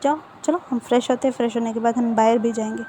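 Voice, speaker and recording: A woman voicing a calm, gentle young man who speaks softly and coaxingly to his spouse. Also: a little high, fast, noisy background, natural voice.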